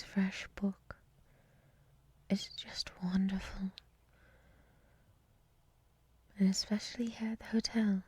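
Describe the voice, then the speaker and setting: A woman voicing a gentle dryad librarian in a soft, breathy whisper for an ASMR roleplay, speaking in a hushed, soothing, reflective way close to the microphone. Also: mid-range voice. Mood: serene, dreamy.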